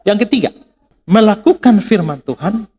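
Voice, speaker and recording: Male Indonesian preacher, sermon with personal anecdotes, high-pitched and very expressive delivery. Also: moderate pace, slightly rough. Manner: animated, rhetorical questions to congregation, acts out quarrels. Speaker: pastor.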